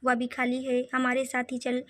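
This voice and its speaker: A woman's voice: sits high, completely flat delivery, normal speed, a bit bright. A woman voicing a joking, caring young male friend in a read-aloud audio story.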